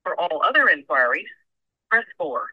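A recorded customer service menu voice playing over a phone line, reading prompts in an even, scripted way. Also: medium pitch, normal speed, husky, dry recording. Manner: even, scripted announcer delivery. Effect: heard over a phone line. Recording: dull, dry phone line audio.

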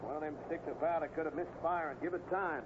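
Radio Western villain, played by a man: rough, greedy rustler boss, slightly high voice, noisy vintage recording. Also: fast, narrow, tinny audio, lightly acted. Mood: cautious, commanding. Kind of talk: old radio Western acting.

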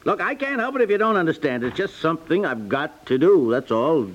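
An actor playing a stubborn, stammering husband with wounded pride in a 1950s radio comedy. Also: male voice, a little high, big pitch swings, fairly quick. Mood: indignant, stubborn. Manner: stammering, exasperated. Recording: muffled vintage 1950s radio recording.

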